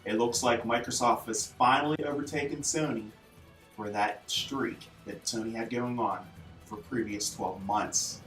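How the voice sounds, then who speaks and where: Guy doing video game news, hypey and informal, mid-pitched voice, bit of music under him. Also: fairly even intonation, unhurried, fairly bright tone, poor audio. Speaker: host of a weekly gaming news show.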